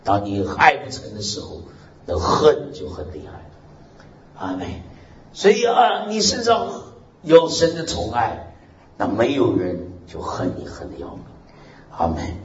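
A male pastor preaching a lively sermon with a loud, strong voice, exclaiming amen and hallelujah and laughing along. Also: fairly high pitch. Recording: roomy, muffled recording with faint hiss.

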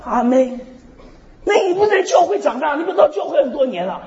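Man preaching in a church hall, high voice all over the place, hallelujah every other line, roomy echo. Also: fairly quick. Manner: peppers speech with "hallelujah, amen" refrains; lively storytelling, swings between loud and soft. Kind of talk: sermon. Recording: echoey hall, dull lo-fi sound.

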